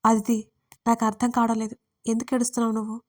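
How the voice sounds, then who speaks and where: A woman's voice: on the high side, monotone, fast, natural voice. A woman voicing a persistent, affectionate young man in a romantic audio story, in a coaxing, insistent manner. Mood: tender insisting.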